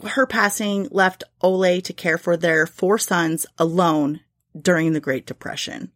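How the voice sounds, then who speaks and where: A woman's voice: lowish voice, fairly even intonation, unhurried, no echo, clean studio sound. A woman hosting a podcast, telling a history story in a casual, chatty way, now and then swearing and laughing. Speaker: podcast host.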